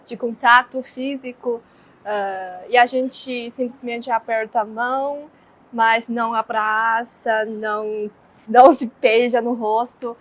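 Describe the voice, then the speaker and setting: A woman's voice: on the high side, fairly even intonation, takes it slowly. A young woman from China with a Chinese accent, answering interview questions in a hesitant way with many fillers.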